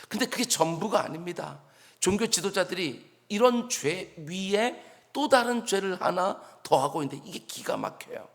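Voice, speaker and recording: A man's voice: high-pitched, fairly bright tone, big-room sound. A man, a pastor, giving an earnest and emphatic early-morning sermon.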